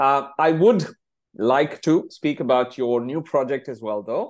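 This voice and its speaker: Fairly slow speech from a man, with a quiet background. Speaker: podcast host and musician; podcast host. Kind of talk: casual interview. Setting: video call. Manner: enthusiastic. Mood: warm, reflective. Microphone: video call.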